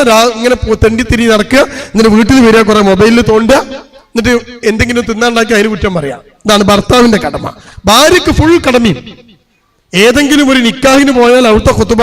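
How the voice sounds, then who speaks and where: A man giving an Islamic sermon, asking the audience rhetorical questions and acting out the people in his stories. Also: high-pitched. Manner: rhetorical questions to the audience, acts out quoted voices. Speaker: Islamic preacher.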